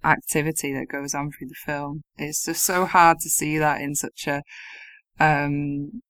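A woman's voice: deep voice, little pitch movement, a little slow, a bit bright, dry recording. A woman co-hosting a casual film review chat, laughing often, swearing freely and sounding incredulous. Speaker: podcast co-host.

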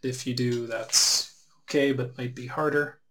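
A man guiding a relaxation meditation as a teacher, giving unhurried instructions with long pauses. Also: mid-range voice, steady tone, a bit bright, a little hiss or hum.

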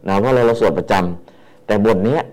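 A man's voice: medium pitch, quick pace, warm tone. A man teaching Buddhist scripture, explaining how to chant Pali verses and demonstrating the chants with repeated phrases.

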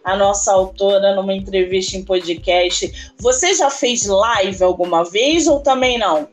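A woman with a Brazilian Portuguese accent hosting a podcast interview, effusive and drawn-out in her speech. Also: medium pitch. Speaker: podcast host.

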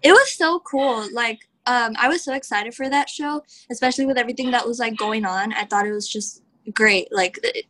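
A young woman from Texas, a professional wrestler, answering interview questions in a chatty way, full of "like" and quick laughs. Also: a little high, pushed and bright, slight background noise. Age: young adult. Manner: chatty, heavy use of "like", laughs often.

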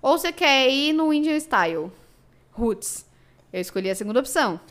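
A woman's voice: high-pitched, normal speed. Emotional Brazilian woman telling a story. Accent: Brazilian Portuguese. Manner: emotional, animated storytelling with many fillers. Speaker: podcast guest. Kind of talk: casual storytelling chat.

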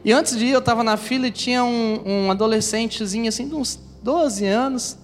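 Brisk and extremely high-pitched, a pastor delivers a storytelling sermon, animatedly playing out scenes and voices from his own experience for the congregation he addresses directly. Long reverb carries through the church hall, and music plays faintly underneath.

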